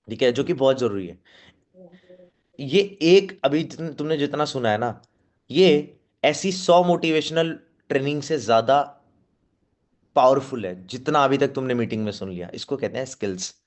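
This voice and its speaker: Man coaching his sales team. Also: medium pitch. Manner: coaching, checks in often with a quick question, mixes in English phrases. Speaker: network marketing team trainer. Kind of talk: live training talk to a seated team. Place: meeting room with team present.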